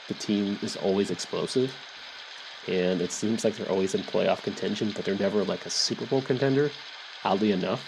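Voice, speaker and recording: A man with a lowish voice talks casually as a podcast host, wandering through his thoughts and circling back to fix what he said. A faint hiss of rain sits behind him. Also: vocal fry. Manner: rambling, thinking aloud, self-correcting. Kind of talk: casual sports picks monologue. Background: soft rain sounds.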